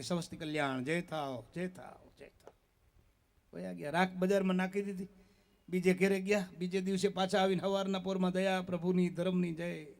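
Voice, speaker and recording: A man with a Kathiawadi Gujarati accent giving a devotional discourse full of folk stories, often checking in with his listeners with a quick "eh?". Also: high-pitched, a bit bright. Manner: keeps asking listeners "eh?" as a tag; folksy, storytelling delivery. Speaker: spiritual discourse speaker.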